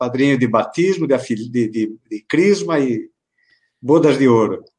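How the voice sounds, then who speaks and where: A man speaks at a medium pitch. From São Paulo state interior (Piedade). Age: 50s. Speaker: football fan, show supporter. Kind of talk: casual chat.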